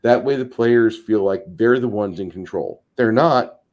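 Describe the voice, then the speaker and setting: A man's voice: lowish voice, a little slow, a little mellow, lo-fi sound. A man on a tabletop gaming talk show, chatting casually in a blunt, profane, emphatic way and acting out imagined quotes. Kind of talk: casual discussion of game mastering.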